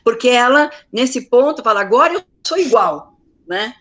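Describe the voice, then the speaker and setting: A woman's voice: a little high, expressive, normal speed, a bit bright. A woman chairing an academic session, talking in a rambling way with many fillers. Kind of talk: academic discussion.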